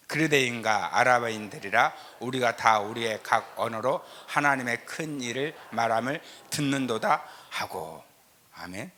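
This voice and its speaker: Middle-aged korean pastor guy, southern accent, lively swoopy pitch, lots of eo fillers and questions to the room. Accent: southern Korean regional lilt. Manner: emphatic, rhetorical questions, frequent "eo" fillers. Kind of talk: lecture sermon with scripture reading. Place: church sanctuary.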